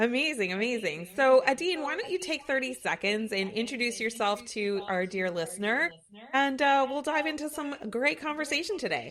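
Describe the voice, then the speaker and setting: Over noticeable background noise, an animated voice swings very widely in pitch at a moderate pace. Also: woman, high pitch for a woman. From Canada. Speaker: podcast host. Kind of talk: interview podcast.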